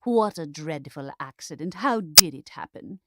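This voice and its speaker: A woman's voice: sits low, animated, a little slow, heavy background noise. A woman voicing a fussing, indignant middle-aged society mother in a stagey period-drama audiobook style. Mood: fussing indignation. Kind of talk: Regency romance audiobook character acting.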